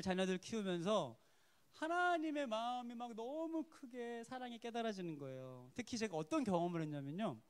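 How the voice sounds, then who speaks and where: A man, a worship minister, giving a testimony sermon at a church service, telling stories expressively, acting out quotes and laughing often. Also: high voice.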